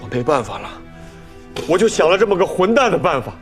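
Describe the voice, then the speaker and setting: A desperate pleading son. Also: male voice, fairly high pitch, sing-song, fast talker, faint music behind. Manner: desperate, pleading, tearful outbursts. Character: guilt-ridden young man begging his father. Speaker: son pleading with his father. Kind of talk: TV drama acting.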